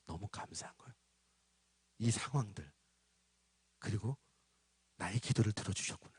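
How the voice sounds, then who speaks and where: Man preaching with animated storytelling. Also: medium pitch, breathy edge, no echo. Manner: animated storytelling, acts out voices. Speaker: pastor. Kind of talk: sermon. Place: church.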